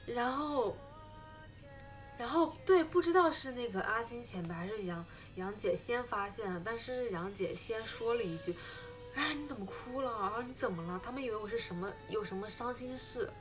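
A young woman hosts a casual idol livestream on her phone, rambling with many fillers, thanking viewers for gifts and bursting into giggles while retelling a story. Her voice is on the high side at a moderate pace, with lo-fi sound over music.

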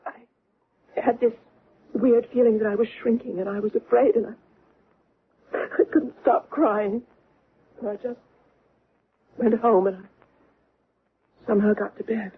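An actress in a 1970s radio drama playing a bewildered, anxious young mother with a halting delivery. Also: a little high, fairly even intonation, slightly rough, exaggerated voice. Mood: shaken, recounting. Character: frightened, bewildered young mother, UFO witness. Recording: muffled, noisy old radio recording.

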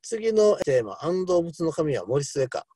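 A man giving an online history lecture, talking in a loose, rambling way full of fillers and lively asides. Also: a little high, measured pace, dry recording.

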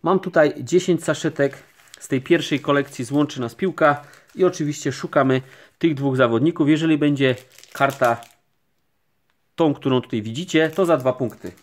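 A man giving calm, unhurried commentary while opening sticker packs, naming each card as it appears. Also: on the high side. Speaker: card collecting vlogger. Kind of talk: casual pack-opening commentary. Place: indoors at a table, camera overhead on hands.

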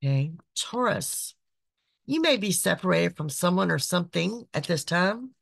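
A woman, hosting a psychic podcast, her voice raspy from being sick, chatty and repetitive. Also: fairly low pitch, animated, moderate pace, no room sound, studio quality. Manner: chatty, repeats phrases, frequent "okay". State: raspy voice from illness. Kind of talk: casual monthly horoscope reading. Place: small decorated home room.

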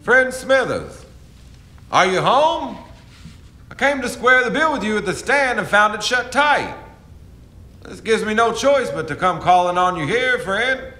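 An actor playing a swaggering, menacing riverboat captain in a radio drama, smooth-talking and taunting with flowery turns of phrase. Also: male voice, high voice, very animated, unhurried, pushed and bright, full character voice. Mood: mocking bravado.

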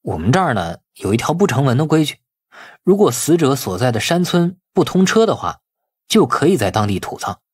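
A man's voice: medium pitch, sing-song, a little fast, husky. A man playing an eager, easily flustered young nephew in an audiobook, speaking colloquially and expressively to his aunt. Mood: puzzled, worried.

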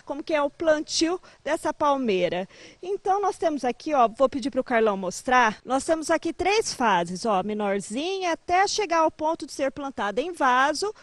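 A woman's voice: sits high, dry recording. A woman in her thirties from Brazil, a field reporter cheerfully hosting a gardening segment outdoors, holding a handheld mic. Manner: cheerful, addresses viewers directly.

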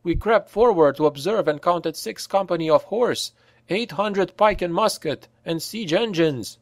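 A man's voice: high voice, lively intonation, a little slow, gravelly, no echo, pitched above the performer's own voice, exaggerated voice. A man voicing an eager young male cavalry corporal giving a formal report. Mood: urgent.

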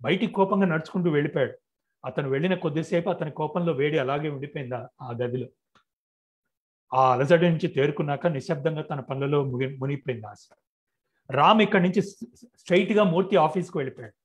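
Guy reading his own novel out loud, steady even narration, voice on the higher side. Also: fast.

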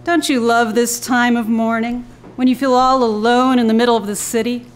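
A woman's voice: on the high side, fairly even intonation, moderate pace, soft background music, close to an everyday voice. A woman playing a cool, mysterious and menacing young beatnik woman in a live noir audio play, speaking tersely and cryptically. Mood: cool, teasing. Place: live on stage in a club.

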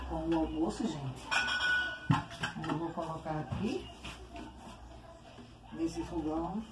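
An older Brazilian woman in her sixties chattily demonstrating home cooking, often addressing her viewers directly. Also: low-pitched. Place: home kitchen, indoors. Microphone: phone on tripod, short distance. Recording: noisy kitchen with clattering dishes.

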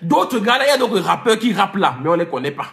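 Lively high-voiced man teasing in a rant. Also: quick pace, vocal fry. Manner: animated, teasing, repeats names, mixes in English; laughs while talking. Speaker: vlogger. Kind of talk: comic rant to camera.

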